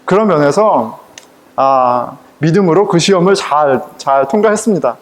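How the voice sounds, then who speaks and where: A male pastor with a high, lively voice that swings up and down as he preaches. He tells his stories in a chatty, joking way, laughs along with them, and keeps turning to the congregation with questions. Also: normal speed. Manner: conversational, humorous, laughs while telling stories. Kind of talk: sermon with personal anecdotes.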